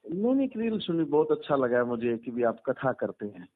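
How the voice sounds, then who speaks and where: A man's voice: mid-range voice, very animated, moderate pace. A man who is a Hindu religious teacher, arguing over a phone call in an insistent, lecturing way and repeating himself. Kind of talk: argumentative phone conversation. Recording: tinny phone-line call recording.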